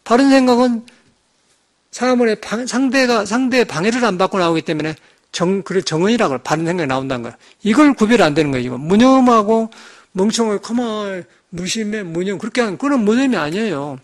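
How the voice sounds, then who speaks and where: Fast-talking high-voiced monk. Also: male voice, expressive. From Jeolla, South Korea. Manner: rambling, emphatic, conversational. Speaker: Buddhist monk. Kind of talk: dharma talk sermon.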